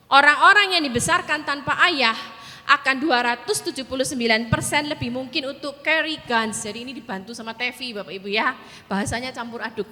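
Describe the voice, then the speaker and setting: A middle-aged woman, leading a church workshop and telling personal stories, animated and addressing the audience directly. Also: sits high. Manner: animated, often addresses the audience directly, mixes in English words. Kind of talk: conference teaching with personal stories. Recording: long hall reverb.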